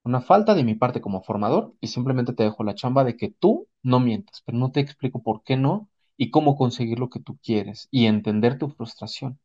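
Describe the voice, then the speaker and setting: A man's voice: medium pitch, animated, brisk, hardly any pauses, dark tone, highs cut off. A man with a Mexican accent giving an explanatory talk as a psychotherapist, in a didactic manner, often checking in with short rhetorical questions. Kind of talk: explanatory talk with acted examples.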